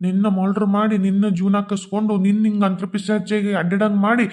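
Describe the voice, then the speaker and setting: A man's voice: high-pitched, flat delivery, quick pace, a little mellow, lightly acted. A man voicing a grieving male ghost in a cartoon, a betrayed husband, speaking North Karnataka Kannada in a wailing, complaining manner. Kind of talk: cartoon voice acting.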